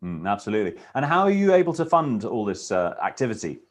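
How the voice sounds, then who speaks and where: A man's voice: fairly low pitch, big pitch swings, fast talker. A man interviewing a business guest, asking questions with hesitant phrasing and repeated words.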